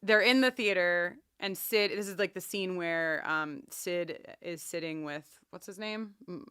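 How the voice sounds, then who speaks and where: A woman co-hosting a podcast, chatting casually about a TV show in a wry, animated way and often interrupting herself. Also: on the low side, measured pace, clean tone, dry recording, clean studio sound. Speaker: podcast co-host.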